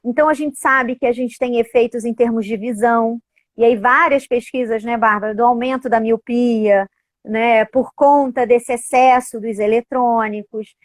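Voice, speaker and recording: A woman with a notably high voice talks in a lively, casual way, checking in with her listener at the end of almost every phrase. The sound is dry and close, with almost no room around her. She comes across as a middle-aged educator and mother. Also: moderate pace, dry recording. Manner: animated, frequent tag questions. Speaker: educator and parent. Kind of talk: casual conversational talk.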